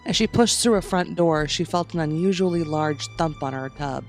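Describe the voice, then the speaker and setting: A man's voice: on the high side, moderate pace. A man reading a third-person horror story as scripted narration. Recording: music under the voice.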